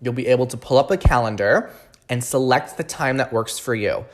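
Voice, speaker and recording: A man's voice: mid-range voice, fairly quick. A man speaking as a podcast host and coaching trainer, explaining things in an earnest, emphatic way and often checking in with the listener. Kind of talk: solo podcast talk, promotional explainer.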